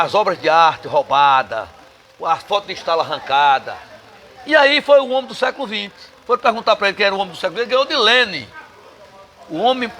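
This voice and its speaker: Northeastern Brazilian man, guest: bright, forceful voice, emphatic and combative, swears freely. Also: sits high. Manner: emphatic, combative, salty language. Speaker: interview guest. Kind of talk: casual bar interview. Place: bar.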